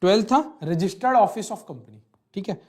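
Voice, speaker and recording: A man gives an online law lecture on a legal text, his voice sitting high, animated, unhurried and a little mellow. Explaining in Hindi with English legal terms blended in, he repeats phrases and keeps checking with the listener through "thik hai."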